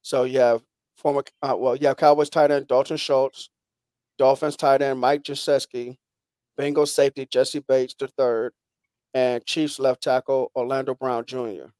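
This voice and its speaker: A man's voice: medium pitch, little pitch movement, moderate pace, a little mellow, no echo, clean studio sound. A man hosting a podcast with casual, informal sports talk, often repeating phrases as he goes. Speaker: podcast host.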